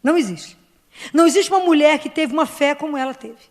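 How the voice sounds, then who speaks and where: A woman's voice: sits high, quick pace, a little mellow, in a large hall. A woman from Brazil, leading a prayer group in an earnest devotional talk, speaking directly to her listeners.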